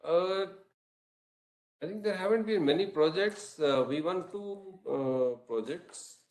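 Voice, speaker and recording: A man with an Indian accent answering questions as a company executive on an earnings call, in a halting, measured way. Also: sits high. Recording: echoey room sound.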